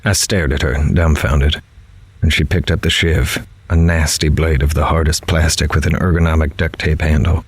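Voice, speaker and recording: An actor playing a grim, dogged male crime reporter in a horror audio drama, with a measured, grave, dramatic delivery. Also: a bass voice, little pitch movement, breathy edge, no echo. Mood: tense, dark. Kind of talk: noir-like scripted horror narration.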